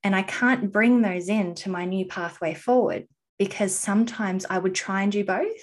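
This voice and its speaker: A young woman speaks as a podcast guest, telling her personal story candidly and earnestly. Her delivery is animated, and her voice sits at an ordinary middle pitch. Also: normal speed.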